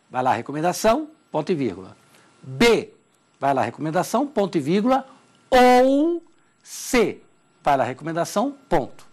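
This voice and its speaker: A middle-aged Brazilian man teaching legal Portuguese in a televised lecture, emphatic and repeating his key warnings. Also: sits high. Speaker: law language teacher.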